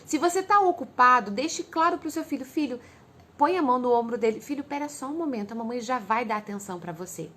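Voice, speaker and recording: A woman's voice: on the high side, animated, fast, fairly bright tone, slight background noise. A Brazilian woman with a Brazilian Portuguese accent, giving earnest parenting advice and acting out what children and parents say. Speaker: parenting educator.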